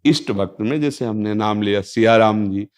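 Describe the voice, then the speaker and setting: Man giving a measured spiritual discourse. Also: fairly low pitch, darkish tone. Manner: measured, reciting Sanskrit verses, affirming with frequent "ji" and "haan". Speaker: spiritual teacher.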